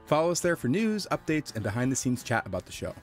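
A man reading the end credits of an audio drama podcast in a brisk, even way. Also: medium pitch, soft background music. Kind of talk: read credits.

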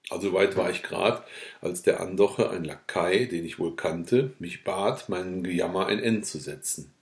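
A man reading a literary novel aloud in a theatrical way, swinging from hushed passages to loud outbursts. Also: sits low, normal speed. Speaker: audiobook reader. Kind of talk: dramatic literary audiobook reading. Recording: roomy echo.

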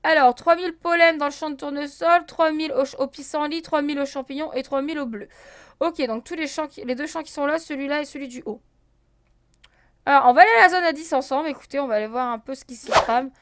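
Woman chatting thru a game she's playing, lots of euh, high voice, dry close sound. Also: quick pace, dry recording. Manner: chatty, thinks aloud with many fillers, talks to viewers; counts and checks items out loud. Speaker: let's play host. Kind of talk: casual gameplay commentary.

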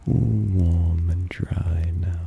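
A man playing a possessive, softly dominant vampire in an intimate ASMR roleplay, breathy and often half-whispered, teasing and coaxing. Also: sits low, fairly even intonation, drawn-out words, phone-quality sound, a little hiss or hum, full character voice. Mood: teasing, doting. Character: possessive, softly dominant male vampire doting on his pet.

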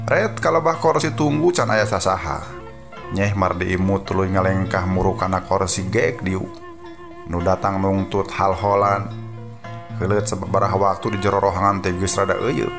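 A man's voice: low voice, steady tone, moderate pace, music in the background. A man with a Sundanese accent narrating a scripted story dramatically as a radio storyteller.

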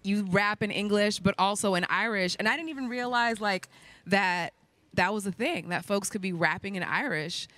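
A woman hosting a casual backstage interview, her voice bright and forward, dry and close on a handheld mic. She talks in a chatty, hesitant way and laughs often. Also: medium pitch, moderate pace, dry recording. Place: backstage at a music venue. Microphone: handheld microphone.

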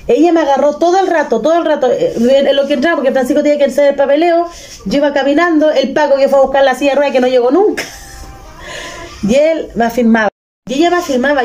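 A woman's voice: high voice, dark tone. A Chilean woman in her thirties, casually retelling a personal story with emotion and many restarts. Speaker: vlogger.

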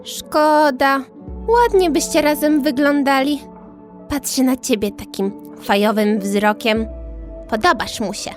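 Chatty, high-voiced little girl. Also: takes it slowly, soft background music. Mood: frank, matter-of-fact. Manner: talkative, childlike, candid. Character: chatty, frank little girl, almost seven. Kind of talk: audio drama acting.

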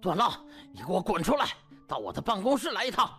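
A man acts out a furious hospital director in a comic audiobook drama. He is domineering and barks his orders with dramatic swings of pitch over music. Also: very animated, fast talker, a bit bright, heavily acted. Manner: barking, commanding.

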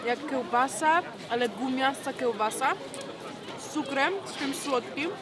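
High-pitched young woman vlogging casually. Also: measured pace. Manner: peppers talk with English slang interjections. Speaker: vlogger, host. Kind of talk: casual chatty vlog. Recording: background music and crowd noise.

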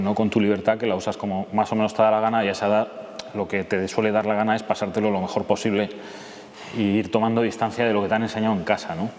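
A low-voiced, slightly mellow man with a Castilian accent from Madrid, Spain shares an informal personal testimony with an audience. He sits at a table in a church, wearing a lapel mic, and the echoey hall carries clear background noise.

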